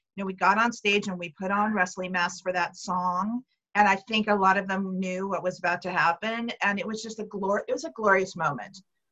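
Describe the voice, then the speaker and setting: A woman with an ordinary speaking voice and an American accent, medium pitch, fairly even intonation and a fairly quick pace with hardly any pauses. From Southern California. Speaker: drummer in a surf band. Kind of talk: casual interview chat.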